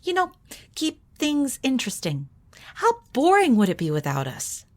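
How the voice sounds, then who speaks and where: A young actress playing a brash, wisecracking college student in a golden-age style radio drama. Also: female voice, high voice, wildly swooping pitch, moderate pace, darkish tone. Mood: sassy. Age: young adult. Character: sassy spontaneous young woman student. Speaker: undergraduate student.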